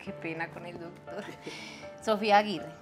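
A woman's voice: on the low side, fairly even intonation, a little slow, long reverb tail, music in the background. A young woman in a staged drama, speaking politely and apologetically to a doctor in a clinic office. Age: young adult. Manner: polite, apologetic, soft-spoken. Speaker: job applicant helping a stranger.

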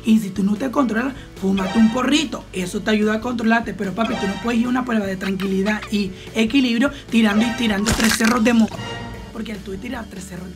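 A woman's voice: fairly high pitch, fairly quick. A young Colombian woman with a Colombian accent, giving outspoken, gossipy reaction commentary and swearing freely. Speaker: reaction vlogger. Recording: clear background music. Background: music playing.

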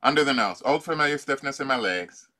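Bright-voiced older man coaching, laughing. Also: mid-range voice, animated. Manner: playful, laughing, halting with many fillers. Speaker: life coach. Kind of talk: guiding a tapping session on a video call. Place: home room. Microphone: video call.

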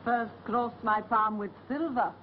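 An actress playing an old gypsy fortune teller who speaks in portentous, foreboding melodrama style. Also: female voice, on the high side, unhurried, natural voice. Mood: sly, inviting. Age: older. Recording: muffled, hissy old film soundtrack.

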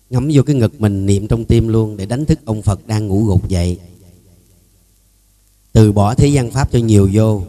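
A Buddhist monk, a man, preaches with strong emphasis. His delivery jumps between loud, pressing lines and quieter asides, and he often puts rhetorical questions to his listeners. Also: lowish voice. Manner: swings widely between loud and soft. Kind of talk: Buddhist dharma talk.

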